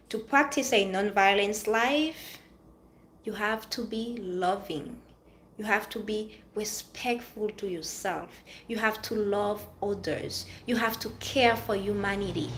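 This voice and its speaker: A woman's voice: mid-range voice, a little hiss or hum, low-quality recording. A woman with a Haitian-French accent, giving an earnest motivational talk to viewers and repeating her phrases for emphasis. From Haiti or France. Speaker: vlogger giving life advice. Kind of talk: motivational monologue.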